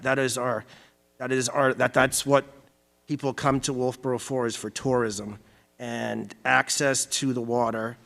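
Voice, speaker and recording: A man's voice: mid-range voice, vocal fry, a bit bright. A man giving a spontaneous answer as a local candidate, repeating phrases as he builds his point, in an echoing hall. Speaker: candidate for town selectman. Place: arts center hall. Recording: long hall reverb.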